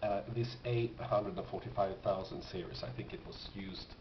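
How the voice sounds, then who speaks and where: Male collector, casual halting presenter; dull sound with clear noise. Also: low-pitched, fairly even intonation. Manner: halting, pausing, thoughtful delivery. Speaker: record collector presenting finds. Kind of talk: casual unscripted show-and-tell. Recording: dull, noisy, echoey home recording.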